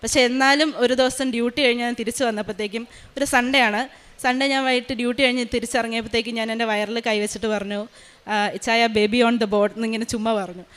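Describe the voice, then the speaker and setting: Rapid, smooth-voiced woman giving a testimony. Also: on the high side, steady tone, a bit bright. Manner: quick and earnest, with frequent hesitation sounds. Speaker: maternity nurse giving a testimony. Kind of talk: emotional personal testimony. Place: large church hall.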